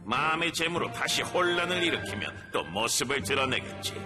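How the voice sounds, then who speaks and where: A man's voice: mid-range voice, big pitch swings, a little fast, natural voice. A male actor playing a scheming, contemptuous villain boss in a children's cartoon, sneering and grandly menacing. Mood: scornful. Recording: loud music behind the voice.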